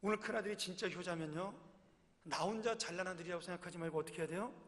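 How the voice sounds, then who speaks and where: Man, pastor, sermon in a church, high voice, rhetorical questions, long hall reverb. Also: rapid-fire, fairly bright tone. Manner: conversational preaching with rhetorical questions to the congregation. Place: church sanctuary.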